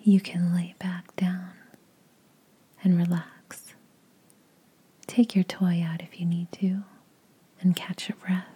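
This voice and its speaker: A woman whispering close to the mic in a slow, coaxing, commanding voice for an intimate audio roleplay. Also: fairly low pitch, little pitch movement, warm tone, breathy edge. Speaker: adult audio performer.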